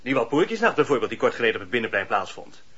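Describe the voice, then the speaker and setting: An actor playing a stern, suspicious husband with a formal, sardonic manner in a radio play. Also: male voice, mid-range voice, big pitch swings, racing, a bit bright, slightly rough. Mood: angry, accusing. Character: stern, suspicious husband, dignified master of the house. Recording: dull lo-fi radio play recording.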